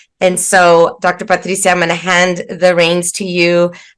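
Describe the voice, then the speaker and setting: Speaking in an American accent, a woman uses a flat, monotone intonation at a fairly low pitch and moderate pace. The recording is very clean, the background silent. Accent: Texas border Mexican American English. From Texas, El Paso border. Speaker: business psychologist, institute co-founder. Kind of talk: interview conversation.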